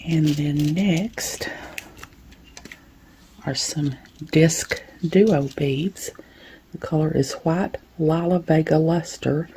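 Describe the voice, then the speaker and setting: A woman, hoarse from a cold, showing and describing beads in a casual unboxing vlog. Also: low-pitched, very slow, pauses often, a little hiss or hum, rough recording. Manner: soft-spoken, drops to whispers at times. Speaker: bead unboxing vlogger. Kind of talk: casual show-and-tell unboxing.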